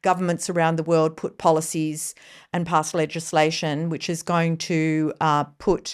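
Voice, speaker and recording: A woman with an Australian accent, fairly low in pitch, at a moderate pace on a very clean recording with a silent background. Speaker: former industry association CEO. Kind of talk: podcast interview. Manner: frequent fillers and repetitions.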